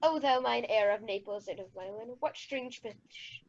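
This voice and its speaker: A woman's voice: a little high, moderate pace, highs cut off. A woman playing a weary, grieving king in a Shakespeare radio play, plaintive and curt. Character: grieving, weary king mourning his son.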